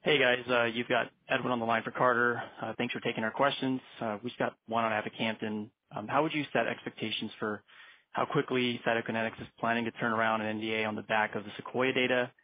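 A man's voice: medium pitch, level tone, fast, no room sound. A man phoning into an investor call as a financial analyst, putting his questions in a businesslike way. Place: conference call. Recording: dry, tinny phone line.

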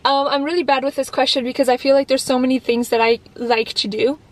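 A woman's voice: sits high, fairly even intonation, fast. A woman of twenty-one, raised in Canada, chatting casually to her viewers from a parked car while answering their questions, full of fillers and restarts. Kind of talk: casual Q&A vlog. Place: parked car, indoors of vehicle. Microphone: camera on dashboard, facing her.

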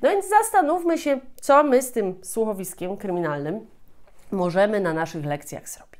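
A woman in her thirties, a Polish language teacher hosting the session, explains things in an animated way at normal speed, often repeating and rephrasing herself. Her medium-pitched voice has a darkish tone. She's indoors in a small furnished room at home.

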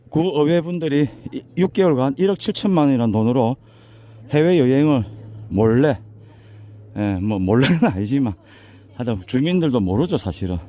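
An older man talks in a thick Busan dialect, his voice hoarse and slightly raspy. He chats and jokes in a folksy, easygoing way as he climbs a mountain path outdoors. His tone is mellow and dark. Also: mid-range voice. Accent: Busan Gyeongsang dialect. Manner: chatty, joking, folksy. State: out of breath from climbing. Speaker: vlogger touring local alleys. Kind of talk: casual walking vlog.

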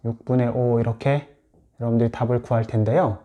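A man's voice: medium pitch, steady tone, a little fast, warm tone. A man teaching English in Korean, patiently explaining and repeating each English word for practice. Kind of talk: explanatory lesson.

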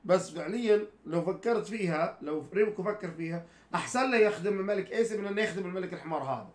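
A man's voice: sits high, very fast, reverberant. A man co-hosting a heated casual debate, exasperated and repeatedly clarifying his point. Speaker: co-host.

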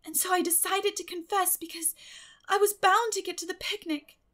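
Storybook orphan girl, high-pitched, dramatic, gushing, flowery, imaginative. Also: fairly even intonation, normal speed, sharp tone. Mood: weary, explaining.

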